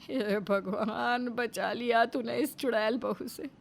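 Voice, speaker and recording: A woman's voice: high-pitched, expressive, measured pace, fairly bright tone. A woman voicing a grumbling, dramatic elderly mother-in-law in a cartoon story, scolding with theatrical sighs. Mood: relieved.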